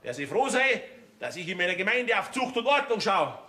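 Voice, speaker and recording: An actor with a Bavarian accent playing a bossy, self-righteous middle-aged farmer father who shouts orders, on a theater stage. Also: high voice, sing-song, a little fast, full character voice. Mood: blustering. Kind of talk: folk theater comedy acting. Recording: echoey stage recording.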